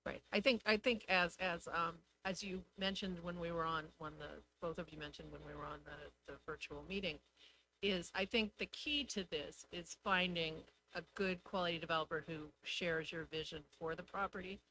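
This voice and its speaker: A woman's voice: fairly low pitch, moderate pace, pushed and bright, slight background noise, rough recording. A woman explaining things methodically as an expert adviser at a public meeting. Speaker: housing development consultant.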